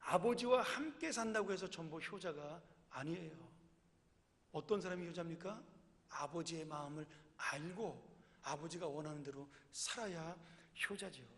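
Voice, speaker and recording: Man, pastor, sermon in a church, high voice, rhetorical questions, long hall reverb. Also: normal speed, fairly bright tone. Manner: conversational preaching with rhetorical questions to the congregation. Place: church sanctuary.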